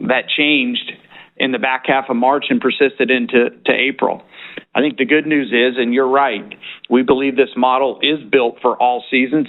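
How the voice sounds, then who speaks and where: A man speaking as a company executive answering questions on an earnings call, in a measured, halting corporate manner. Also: medium pitch. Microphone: conference call line. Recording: narrow-band conference phone line.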